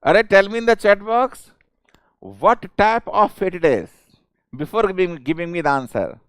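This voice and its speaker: High-pitched South Indian man teaching. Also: normal speed, a bit bright, clear, resonant tone, no echo. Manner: repeats questions and phrases insistently; chuckling, informal, coaxing students. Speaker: teacher of an online engineering class. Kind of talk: live interactive exam-prep lecture.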